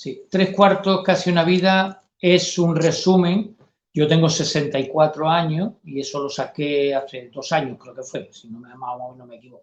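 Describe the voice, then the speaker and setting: At a moderate pace and with hardly any pauses, a man speaks in a normal speaking voice pitched fairly high, his loudness swinging widely. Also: ordinary pitch variation. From Andalusia, Huelva. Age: 60s. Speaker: poet and theatre teacher. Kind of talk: interview.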